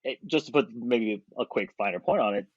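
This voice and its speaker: A man in his thirties from South Korea, a podcast guest talking thoughtfully and with energy, pausing on fillers. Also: medium pitch, dry recording. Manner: thoughtful, animated, with frequent fillers and laughs. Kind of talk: conversational interview. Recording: dry, slightly dull podcast audio.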